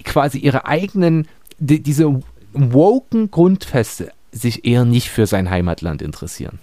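A man's voice: mid-range voice, sing-song, unhurried, mellow, dry recording. A man in a casual book discussion, arguing his view as a podcast panelist.

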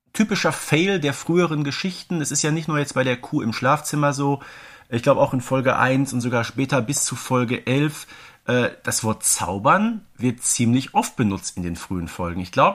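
A man's voice: on the high side, a bit bright. A man co-hosting a podcast, chatting casually and giving his opinions on an audio drama series. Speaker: podcast co-host.

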